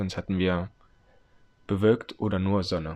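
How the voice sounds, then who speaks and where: In a very clean recording with a silent background, a man with a very deep, low pitch talks at a moderate pace in a flat monotone. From eastern Germany, Magdeburg. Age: 20s. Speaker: student, cycling traveller. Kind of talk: casual interview.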